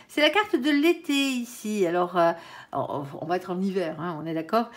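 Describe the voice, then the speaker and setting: A woman's voice: mid-range voice, lively intonation, normal speed. A woman doing a casual tarot card reading, chatty and peppered with "hein", talking straight to her viewers. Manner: addresses viewers and her angel directly. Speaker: tarot reader.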